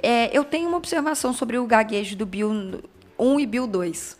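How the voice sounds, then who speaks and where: Woman chatting about a movie, kinda high voice, lively and self-correcting. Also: normal speed. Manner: animated, self-correcting, laughs often. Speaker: film reviewer. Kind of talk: casual movie review chat.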